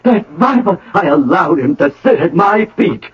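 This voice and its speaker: An actor playing a vain, hysterical fashion designer in a radio drama, wailing melodramatically. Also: male voice, high voice, big pitch swings, moderate pace. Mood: melodramatic. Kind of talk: 1970s radio drama acting. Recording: muffled old radio broadcast.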